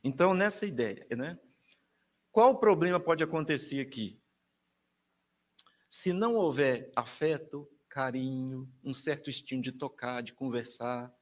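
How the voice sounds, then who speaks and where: A Brazilian man, a Catholic priest, giving an emphatic, colloquial lecture to families, his pitch and loudness swinging widely. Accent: Brazilian Portuguese.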